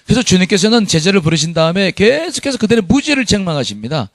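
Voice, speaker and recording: A man's voice: high voice, very animated, fast talker, no echo, clean studio sound. A middle-aged man preaching a sermon as pastor, reading scripture aloud with his congregation and chuckling at his own past.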